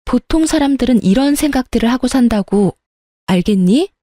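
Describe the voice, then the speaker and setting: A woman plays a sharp-tongued young woman in a narrated story, her raised voice blunt and scornful. The sound is mellow and dry, close to the mic. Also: on the high side, normal speed, no echo, natural voice.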